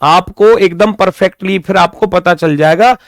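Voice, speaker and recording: High-pitched teacher, dry close sound. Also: male voice, moderate pace, no echo. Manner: scolding, sarcastic, then counts through sums aloud. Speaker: reasoning teacher. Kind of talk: online exam-prep lecture.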